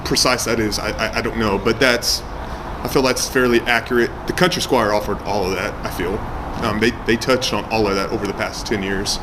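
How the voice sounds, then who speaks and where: A man giving casual interview answers in a hesitant, halting, self-effacing way. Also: fairly low pitch, steady tone, background noise. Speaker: pipe channel creator being interviewed.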